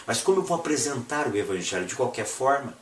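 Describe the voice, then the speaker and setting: A Brazilian man with a hoarse, congested, sore-throat voice teaching an informal Bible lesson in a didactic way, posing rhetorical questions. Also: mid-range voice, big pitch swings, fast. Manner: didactic, repeats phrases and poses rhetorical questions with check-in tags. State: hoarse, congested voice from flu and an inflamed, swollen throat. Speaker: Bible school teacher and preacher. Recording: echoey room, distant mic, faint noise.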